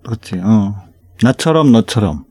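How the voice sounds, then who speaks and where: A Korean man talks very fast in a dark, mellow voice, answering with short replies and mixing two languages. The recording is dry and close. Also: fairly low pitch, lively intonation, breathy edge, no room sound. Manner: frequent short "un" replies, mixes Korean and Japanese. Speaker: co-host, Korean native speaker. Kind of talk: casual chat with backchannel replies.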